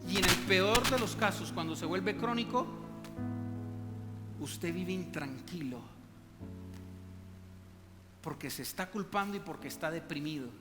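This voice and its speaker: High-voiced preaching man in a reverberant church. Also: measured pace, long pauses. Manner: preaching with emphatic rises and hushed drops. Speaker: pastor. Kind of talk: sermon. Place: church hall. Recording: long church reverb with music beneath. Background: soft instrumental music.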